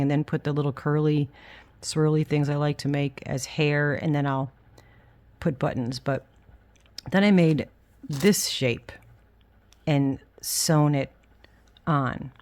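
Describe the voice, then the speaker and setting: A woman's voice: sits low, steady tone, a little slow, darkish tone. A woman chatting casually and candidly through a rambling craft show-and-tell, self-deprecating, with a whistle on her s sounds. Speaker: craft vlogger.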